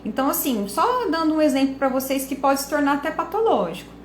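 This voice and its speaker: Woman, high voice, chatty reflective talk, echoey room w faint hiss. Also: very animated, quick pace. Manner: conversational, asks rhetorical questions, frequent tag questions. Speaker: speech and listening coach, channel host.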